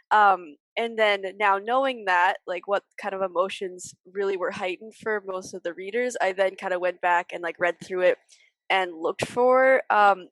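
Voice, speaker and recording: A woman's voice: medium pitch, fairly bright tone, no room sound, rough recording. A young woman co-hosting a podcast in casual conversation, tentative, sprinkling in "like" and "kind of". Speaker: podcast co-host.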